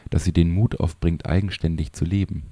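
A man voicing a wise older sage in an audiobook, who speaks softly and with understanding. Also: sits low, steady tone, brisk, no echo. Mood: gentle. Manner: soft, understanding.

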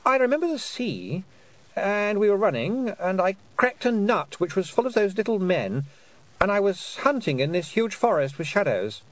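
A man's voice: sits high, sing-song, normal speed, dry recording, pitched above the performer's own voice, rough recording. A man voicing a dazed young nobleman who talks hesitantly and stammers.

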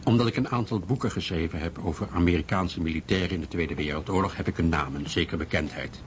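A man's voice: deep voice, quick pace, natural voice. An actor playing an American author recounting his investigation in a scripted radio documentary drama. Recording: dull radio recording, faint noise.

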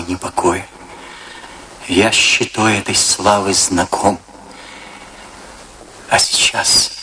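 Brooding homesick poet, very sharp bright tone, flat intonation, radio play, faint noise. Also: male voice, low-pitched, full character voice. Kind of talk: radio drama acting, verse recitation.

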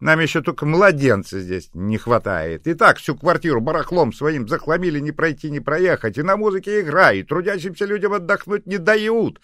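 A man doing a shrill, spiteful old busybody woman. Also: very animated, unhurried, vocal fry, a bit bright, no echo, clean studio sound, exaggerated voice. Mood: ranting. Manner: shrill, sneering, scolding.

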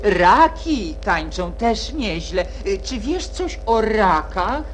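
Quirky sea creature for radio play; nostalgic, excitable, exclaiming, widely varied pitch, unhurried. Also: female voice, soft background music. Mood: enthusiastic. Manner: theatrical, exclaiming, drawn-out delivery.

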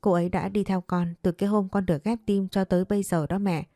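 A woman's voice: mid-range voice, fairly even intonation, fast talker, mellow, dry recording, lightly acted. A woman voicing an earnest haunted young man.

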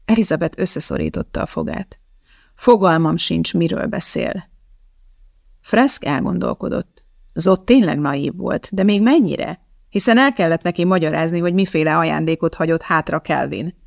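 A woman narrating a novel as an audiobook in a measured, dramatic storytelling manner. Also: lowish voice, vocal fry, no room sound, clean studio sound.

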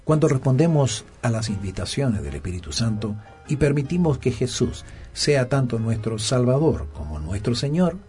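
A man's voice: medium pitch, dark tone. A man co-hosting a Bible study program, speaking earnestly and emphatically, with fillers and repeated words. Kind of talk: conversational Bible study dialogue.

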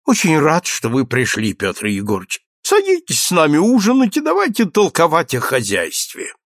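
A man reading aloud and voicing a drunken, tearful, excitable count in a high, wavering, giggling voice, gushing and pleading. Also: normal speed, dry recording, studio quality, full character voice. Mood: cordial.

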